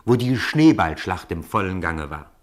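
A man with a fairly low voice narrates a story for a children's radio play. He delivers scripted storytelling between the acted scenes. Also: lively intonation, normal speed.

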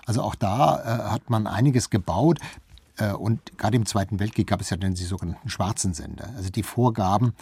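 Slightly husky man explaining as expert guest. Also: fairly low pitch, brisk, dark tone. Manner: anecdotal, explanatory, emphatic word repetition. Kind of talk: explanatory interview talk on history.

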